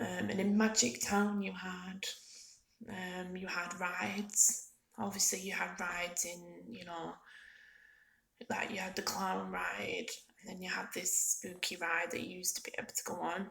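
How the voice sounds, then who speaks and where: Soft-spoken, the speaker moves along at a fairly slow pace. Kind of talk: ASMR soft spoken ramble to camera.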